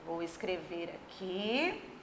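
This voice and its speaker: A woman's voice: fairly low pitch, very animated, slow pace, background noise. A woman teaching a grammar lesson to children, acting out her pupils' questions herself. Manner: plays imagined pupils' questions.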